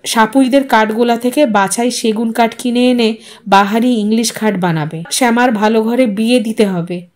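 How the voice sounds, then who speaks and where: A woman storyteller reading literary fiction aloud as expressive, scripted audiostory narration. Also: a little high, normal speed.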